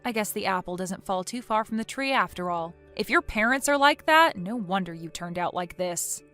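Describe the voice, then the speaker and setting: A woman's voice: medium pitch, lively intonation, sharp tone, soft background music. A woman voicing a cold, resolute young woman. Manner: cold, measured, firm. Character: calm, resolute young woman injured in an accident.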